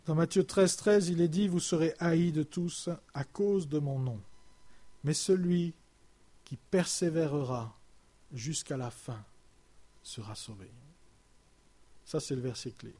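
A man preaching a sermon in French, telling a story with many pauses and restarts, his voice sinking quiet at the ends of phrases. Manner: halting, with many restarts and fillers, voice dropping low and soft at phrase ends.

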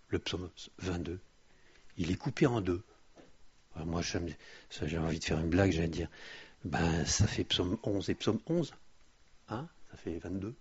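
A man's voice: low-pitched, husky, no room sound. A male preacher giving a sermon, reading scripture aloud with swelling emphasis and breaking off into hesitant asides. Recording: slightly dull, dry lo-fi recording.

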